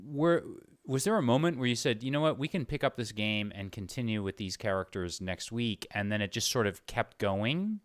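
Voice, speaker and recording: A man's voice: mid-range voice, moderate pace, hardly any pauses, no echo, clean studio sound. A man interviewing in a casual, conversational way, tentative and rambling but agreeable.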